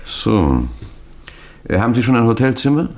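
A man's voice: medium pitch, sing-song, normal speed, a little mellow. A man playing a white-haired impostor, politely businesslike and probing, in a radio drama. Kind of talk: 1960s German radio drama acting.

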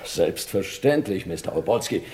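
Pompous politician, ingratiating, lively swings in pitch, radio drama. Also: male voice, normal speed, a little hiss or hum. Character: smug, smarmy male mayoral candidate. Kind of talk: radio play acting.

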